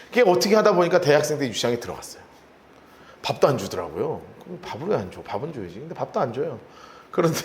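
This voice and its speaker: Lively male pastor preaching. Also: fairly high pitch, slight background noise. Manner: lively storytelling, acts out quoted voices. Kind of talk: sermon.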